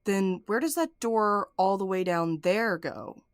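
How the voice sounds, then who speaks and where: A woman's voice: mid-range voice, unhurried, smooth, no echo, close to an everyday voice. Woman playing a brash, impatient sleuth, dry recording. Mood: snarky. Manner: blunt, foul-mouthed, bossy. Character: Val, brash, impatient, snarky nonbinary amateur sleuth. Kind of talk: audio drama acting.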